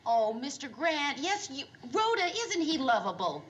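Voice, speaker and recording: An actress playing a kind young woman who speaks in a gentle, concerned and polite way, in 1970s sitcom style. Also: high-pitched, very animated, unhurried, highs cut off. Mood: cheery. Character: kind young woman, worried for her boss. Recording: distant, roomy, noisy sitcom audio with crowd.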